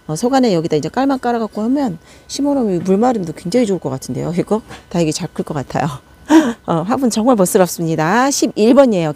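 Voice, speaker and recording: A woman's voice: medium pitch, gravelly, warm tone, slight background noise. A woman showing off plant pots for sale in a casual chatty way, reading out sizes and prices as she goes. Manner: chatty, counts numbers and prices aloud. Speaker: succulent pot seller. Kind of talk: casual product showcase.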